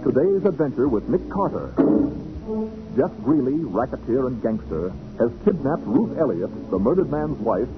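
An actor as a dramatic, urgent announcer narrating a 1940s radio crime serial. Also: male voice, mid-range voice, very animated, moderate pace, over music, lightly acted. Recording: thin, phone-like 1940s radio recording.

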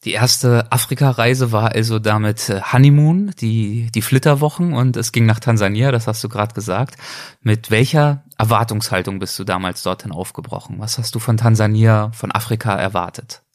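Male interviewer, low-ish pitch, dry close recording, careful long questions. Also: normal speed, dry recording.

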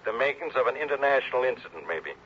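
A man's voice: mid-range voice, big pitch swings, fast talker, slightly rough. An actor playing a friendly insurance agent in a 1960s radio drama, bantering with his investigator. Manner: teasing, then earnest. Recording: dull vintage radio broadcast.

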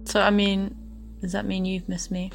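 A woman's voice: mid-range voice, completely flat delivery, moderate pace, gravelly, faint music behind. A woman bantering coyly on a podcast, laughing often as she teases back. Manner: coy, laughing. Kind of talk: casual flirty banter.

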